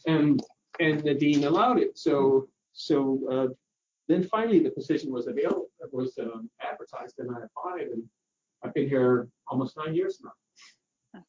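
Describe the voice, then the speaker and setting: This is a parasitology researcher from Denmark, a middle-aged man with a Danish accent, spinning a laid-back story full of fillers and quoted lines he performs. His mid-range voice is a little mellow, moving at normal speed with lively intonation. It's recorded at a distance in a roomy space, muffled, with faint ambient sound.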